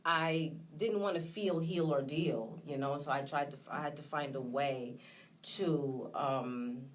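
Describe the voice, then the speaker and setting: A woman from Trinidad, raised in Brooklyn, speaking candidly and hesitantly as an interview guest. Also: low-pitched. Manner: candid, reflective, hesitant with many pauses. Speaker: guest, nonprofit founder. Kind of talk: personal testimony in an interview.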